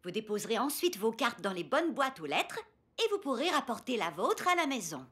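A woman's voice: on the high side, big pitch swings, a little fast, a bit bright, breathy edge, heavily acted. A woman voicing a kind, encouraging daycare teacher talking to small children in a cartoon.

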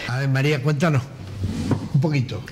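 A man's voice: mid-range voice, fairly even intonation, brisk, music in the background. A middle-aged man hosting a community radio interview, prompting his guests with friendly questions at a table mic. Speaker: host. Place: community hall with audience. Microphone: table mic on stand.

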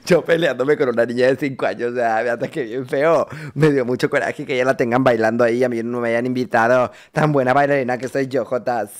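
A man with a Mexican Spanish accent hosting a casual video reaction, expressive and quick to swear and joke. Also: mid-range voice. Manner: expressive, swears freely, gushes and jokes. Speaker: host reacting to music videos.

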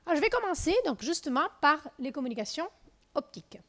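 A woman from southern Italy in her thirties with an Italian accent, giving a lively physics lecture in a lecture room through a handheld mic, with many fillers and restarts. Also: high voice, quick pace. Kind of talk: lecture with slides.

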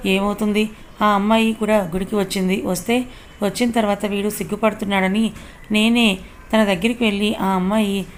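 A woman's voice: medium pitch, little pitch movement, normal speed, a little hiss or hum, natural voice. A woman reading the lines of a good-natured young man who chattily teases his friend. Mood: amused. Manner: amused, chatty storytelling.

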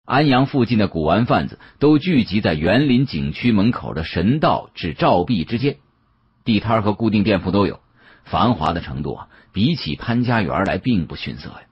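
A man's voice: lowish voice, very animated, normal speed, husky, no echo. A man narrating a novel in the first person as an audiobook, in a dramatic, colloquial storytelling style. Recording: muffled, dull lo-fi audio.

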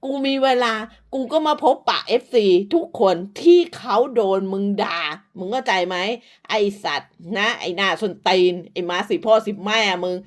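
A woman's voice: medium pitch, lively intonation, normal speed, few pauses. A woman ranting at rival creators, scolding and insulting them crudely, with repeated short tags. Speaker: online commentator. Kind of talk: profane rant at rival creators.

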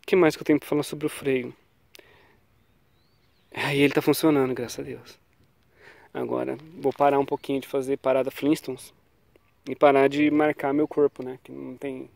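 A man's voice: medium pitch, little pitch movement, moderate pace, gravelly, pauses often, darkish tone, no room sound. A man, talking casually about bike brakes on an action camera outdoors, with a cold, keeping it loose and tagging on little checks. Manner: chatty, loose, trails off with "tá?" and "né?". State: has a cold. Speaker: cycling vlogger. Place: outdoors on a quiet paved road.

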